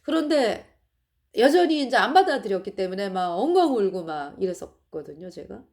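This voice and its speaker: A woman's voice: mid-range voice, big pitch swings, brisk, a little mellow. A middle-aged woman telling a personal church testimony with emotion and laughter. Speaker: church member giving testimony.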